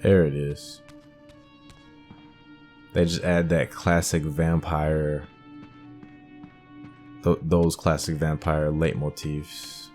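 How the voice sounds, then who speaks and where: A man gives casual commentary over a game playthrough. His voice is extremely deep, and he rambles thoughtfully as he goes. Faint game music sits behind him. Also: a little mellow. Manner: rambling, musing. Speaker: gaming host.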